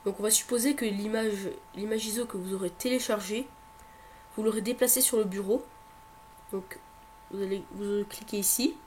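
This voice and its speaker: His voice sits high and a little mellow, steady in tone and moderate in pace, as this congested man walks viewers through a computer tutorial. Halting and filler-heavy, he repeats words and restarts lines, with a faint hum underneath.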